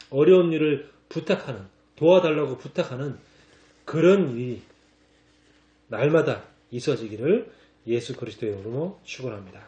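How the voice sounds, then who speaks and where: A man pastor preaching a lively sermon, acting out scripture in casual slang and laughing along. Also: medium pitch, reverberant, dull audio.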